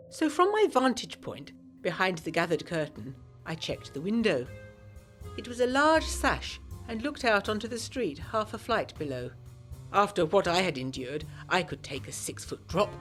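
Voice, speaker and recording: A woman's voice: mid-range voice, very animated, moderate pace, faint music behind, close to an everyday voice. A woman playing a prim, resolute young woman, narrating a period audio drama in the first person with formal diction and wry asides. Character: prim, secretive, resolute young woman telling her gothic tale.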